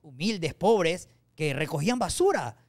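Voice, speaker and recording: A man's voice: fairly high pitch, very animated, unhurried, gravelly, darkish tone, no echo. A man hosting a casual podcast chat, cutting in with short, easygoing remarks.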